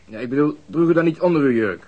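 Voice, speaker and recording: An actor playing a stolid, pedantic police detective in a radio drama, formal, deadpan and insistent. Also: male voice, fairly high pitch, fast, dull audio, lightly acted. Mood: doggedly deadpan.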